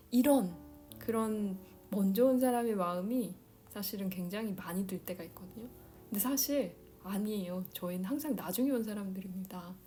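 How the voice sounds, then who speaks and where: Audible room echo surrounds a woman's medium-pitched voice. She talks at a moderate pace with ordinary pitch variation. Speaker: pastor. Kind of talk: Bible reading with reflection and closing prayer. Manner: warm conversational.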